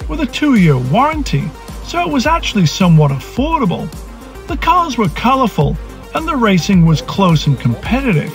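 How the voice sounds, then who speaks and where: A middle-aged male host with a high, very animated voice narrates and chats in a playful, chatty way. Faint music sits behind him. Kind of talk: narration then casual interview.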